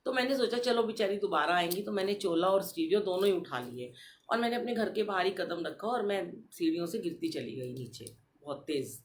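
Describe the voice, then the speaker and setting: Middle-aged lady telling a devotional story, lively and chatty, mid pitch, a bit of faint hiss behind. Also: brisk. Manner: animated, addresses listeners as sangat ji. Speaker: satsang podcast host.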